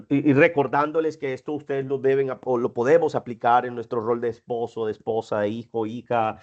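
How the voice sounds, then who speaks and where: Man lecturing, muffled recording. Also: medium pitch. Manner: explanatory, lists traits one by one, checks in with "right?". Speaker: lecturer at a faculty development talk. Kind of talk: didactic lecture to teachers. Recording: dull lo-fi recording.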